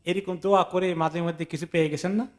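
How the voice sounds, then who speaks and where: Guy, kinda high voice, chatty quran lecture, acts out the stories. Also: fairly even intonation, quick pace. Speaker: Islamic teacher giving Quran tafsir. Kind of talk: sermon-style lecture with acted anecdotes.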